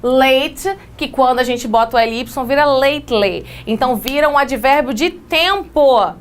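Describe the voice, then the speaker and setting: A woman with a Brazilian Portuguese accent teaching an English grammar lesson, explaining with quick examples and playful asides. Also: high voice. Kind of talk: exam-prep grammar lesson.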